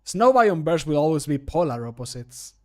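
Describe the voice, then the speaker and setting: A man's voice: a little high, big pitch swings, moderate pace. A man voicing a cocky, punning older adventurer for video game lines, with a jokey, lightly taunting delivery. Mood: dry, punning. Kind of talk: game voice line takes.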